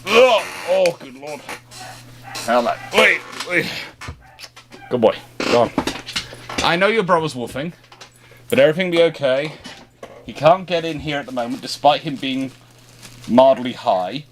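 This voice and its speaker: A man's voice: on the high side, expressive, a little slow, long pauses, fairly bright tone. A man hosting a live stream in a casual, chatty way, often rambling and breaking off mid-sentence. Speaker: livestream host answering naval history questions.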